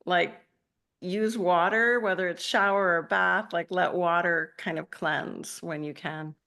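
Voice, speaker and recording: Low, gravelly woman meditation teacher from Argentina, gentle and rambling. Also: steady tone, unhurried. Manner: gentle, rambling, laughs often. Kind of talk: casual live-session chat with participants.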